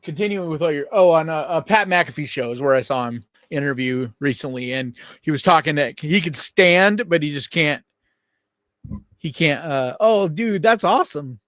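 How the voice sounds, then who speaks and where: A man co-hosting a podcast in casual chat, loose and profane, with quick upbeat reactions. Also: fairly high pitch, lively intonation, a bit bright, no echo, studio quality. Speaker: podcast co-host.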